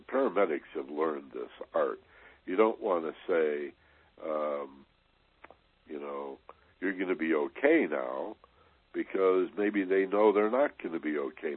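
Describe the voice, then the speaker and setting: A deep, husky-voiced man talks through a motivational radio segment in a loose, conversational way, leaning on "you know" and "right?". The sound is dry and close, squeezed into a narrow, phone-like band. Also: no echo. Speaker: radio host.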